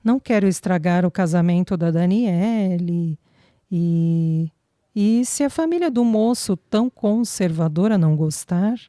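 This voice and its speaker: A woman's voice: fairly low pitch, animated, measured pace, mellow, no echo, studio quality. A woman reading a young mother's lines with emotional, pleading speech.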